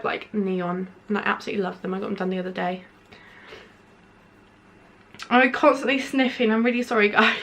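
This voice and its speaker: A woman's voice: fairly high pitch, a bit bright. A young woman chatting her way through a makeup review. She sounds nasal and stuffed up, with a sore throat from hay fever, and fills her talk with lots of "like"s. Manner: chatty, rambling, many filler "like"s. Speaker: beauty vlogger. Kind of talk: casual product review while applying makeup. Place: indoors at home, window open.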